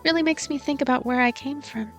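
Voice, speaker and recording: A woman's voice: sits high, fast talker. A woman reading a story game aloud and commenting as she plays, with music behind her. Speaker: let's play commentator and narrator. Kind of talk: voiced gameplay narration and commentary.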